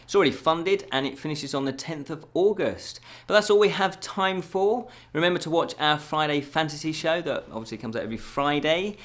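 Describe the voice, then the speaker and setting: A man's voice: on the high side, fairly quick, few pauses, a bit bright. Man presenting chatty fantasy news. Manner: jokey, self-deprecating, stumbles over words and names. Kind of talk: informal scripted news presenting with ad-libs.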